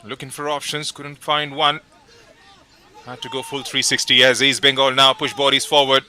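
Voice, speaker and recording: A man calls a football match live, his voice very bright and clear-edged. He speaks at an ordinary middle pitch and keeps an even, measured rhythm, naming each player as the ball moves. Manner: steady, measured calls with brief pauses between names. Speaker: football commentator. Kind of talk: live play-by-play commentary.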